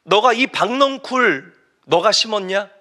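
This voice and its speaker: A man's voice: high-pitched, animated, measured pace, voice pushed up, full character voice. Pastor speaking as a patient, fatherly God. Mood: pleading. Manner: gentle pleading questions.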